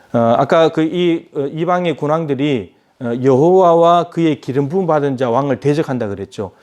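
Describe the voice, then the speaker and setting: Mellow-voiced male pastor, unhurried. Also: on the high side. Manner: unhurried explanatory preaching with frequent "uh" fillers, conversational asides. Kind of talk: short daily Bible devotional talk.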